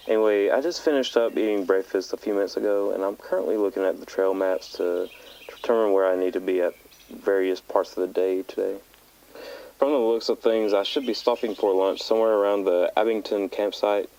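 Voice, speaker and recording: An actor playing a young male hiker who records a calm, matter-of-fact tape diary on the trail in an audio drama. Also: lowish voice, slight background noise, close to an everyday voice, rough recording. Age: young adult. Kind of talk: found-footage audio drama.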